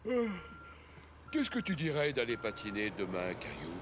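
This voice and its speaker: A man playing a kindly old grandfather in a children's cartoon, encouraging and gently instructive. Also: lowish voice, wildly swooping pitch, moderate pace, background noise. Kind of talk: French-language children's cartoon dialogue.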